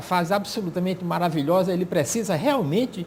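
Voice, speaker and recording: A high-pitched man's voice with lively intonation. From Ceará, Brazil. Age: 70s. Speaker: TV interviewer. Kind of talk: TV interview. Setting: TV studio. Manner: halting, with many repetitions.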